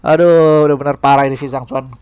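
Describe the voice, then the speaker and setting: A man's voice: medium pitch, steady tone, fast, a little mellow, smooth. A man with an Indonesian accent narrating a light novel with casual asides, sometimes stumbling and rereading phrases. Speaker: audiobook narrator.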